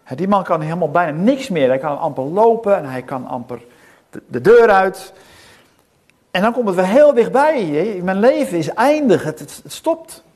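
A middle-aged man preaching a sermon in a church. He speaks earnestly, with frequent rhetorical questions and pauses between phrases. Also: high-pitched, sing-song, darkish tone. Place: church hall.

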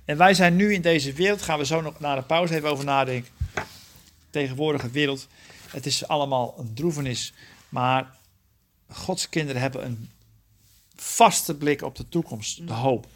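A man with a somewhat higher voice teaches a small Bible study group. He works through the text verse by verse, correcting himself as he goes. He keeps turning to his listeners with questions to check they follow. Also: moderate pace, a bit bright, a little hiss or hum. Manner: earnest, often asks the group questions; explains verse by verse, self-correcting.

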